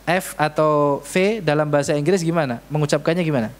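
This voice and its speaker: Seorang pria beraksen Indonesia mengajar tajwid di masjid, sering bertanya kepada jamaah dan mencontohkan bacaan Arab perlahan. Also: male voice, on the high side, fairly even intonation. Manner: questions the audience often, demonstrates Arabic sounds slowly. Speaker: Quran recitation teacher. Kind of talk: tajwid lesson with live recitation examples. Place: mosque prayer hall.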